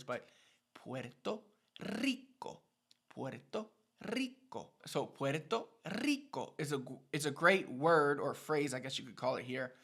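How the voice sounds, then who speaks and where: A man's voice: mid-range voice, fairly bright tone. A man giving a casual pronunciation lesson as a teacher, demonstrating rolled R trills and syllables between his explanations.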